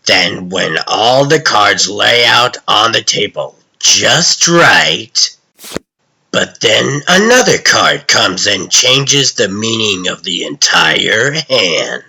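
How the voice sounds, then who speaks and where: A man voicing a sinister, menacing dark vigilante who narrates a comic dub in slow, ominous, gravelly storytelling with dramatic pauses. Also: lowish voice, big pitch swings, exaggerated voice. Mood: slow menace.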